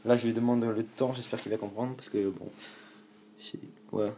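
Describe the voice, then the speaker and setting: A man's voice: mid-range voice, steady tone, moderate pace, dark tone. A man from France hosting a casual tech tutorial, rambling and correcting himself, with the odd swear word. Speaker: tutorial host.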